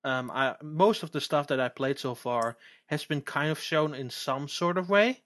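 A man's voice: fairly high pitch, moderate pace, a bit bright. A man co-hosting a podcast, talking casually about a video game with eager, stumbling repetitions. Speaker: podcast co-host.

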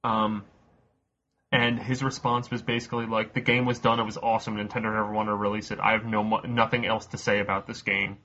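A man hosting a casual podcast quiz, reading out questions slowly, cursing offhandedly and laughing often. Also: lowish voice, little pitch movement, pushed and bright, highs cut off. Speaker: quiz host.

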